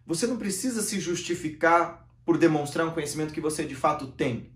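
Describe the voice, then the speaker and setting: A man in his thirties from Brazil, hosting his channel with an expressive, gesturing monologue to camera from a room with bookshelves. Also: a little fast. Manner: expressive, gesturing, shifting volume and pitch often. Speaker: channel host. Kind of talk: animated philosophical monologue to camera. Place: small room with bookshelves, seated in armchair. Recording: roomy echo.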